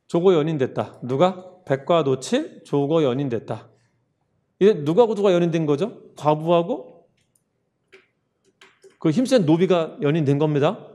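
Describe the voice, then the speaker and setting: A man's voice: a little high, mellow. A man teaching Korean history in a casual exam-prep lecture, keeps asking the class questions and answering them himself. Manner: casual, chatty with jokes to aid memory.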